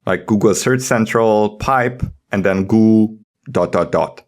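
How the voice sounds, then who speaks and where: A man's voice: lowish voice, measured pace, darkish tone. A man chatting casually as a podcast co-host, in a grumbling, skeptical manner. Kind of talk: casual panel chat.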